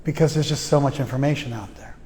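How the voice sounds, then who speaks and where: Talking fast at medium pitch with a dark tone, a spiritual teacher runs an informal class, chatty and loose, full of joking asides and fillers. A long reverb from the hall-like class venue hangs on his words.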